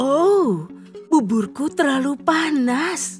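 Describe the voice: A female-sounding voice puts on a high-pitched, soft-spoken character voice. It moves at a very slow pace over clear background music.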